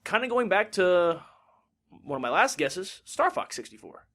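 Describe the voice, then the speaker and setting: A man's voice: high-pitched, sing-song, normal speed, a bit bright. A man co-hosting a podcast, chatting informally and profanely about video games. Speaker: podcast co-host.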